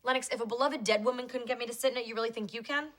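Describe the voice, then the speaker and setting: An actress playing a flustered, wisecracking woman who is quick to defend herself, in a broad sitcom style. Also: fairly high pitch, lightly acted. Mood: wry, rattled. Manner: animated, defensive, wry.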